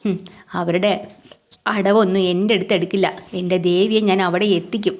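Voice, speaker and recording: A scheming middle-aged mother who pushes others around and turns on dramatic wailing when it suits her, as a woman retelling a serial puts her on. She speaks at an ordinary pitch, her manner forceful and theatrical. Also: steady tone, normal speed, lightly acted. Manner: pushy and dramatic, wailing in fake distress.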